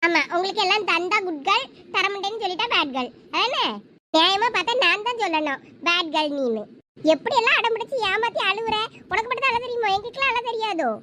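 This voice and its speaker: A woman voicing a sharp-tongued, short-tempered young college girl in an animated comedy. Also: extremely high pitch, background noise. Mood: scolding. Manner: scolding, irritated, fast and threatening.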